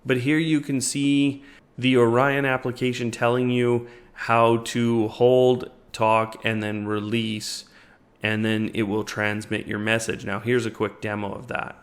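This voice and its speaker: A man's voice: medium pitch, little pitch movement, a little slow. A man hosting a tech tutorial, explaining a product setup step by step in a casual way. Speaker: tech reviewer and tutorial host. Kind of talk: step-by-step product demo narration.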